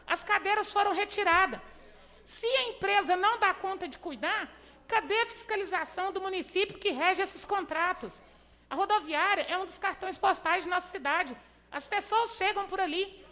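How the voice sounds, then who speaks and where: A woman with a Minas Gerais accent gives an indignant council speech in a very high, bright voice. She presses her case with pointed rhetorical questions. Long reverb from the chamber trails each phrase. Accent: Brazilian Portuguese, Minas Gerais. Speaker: city councilwoman.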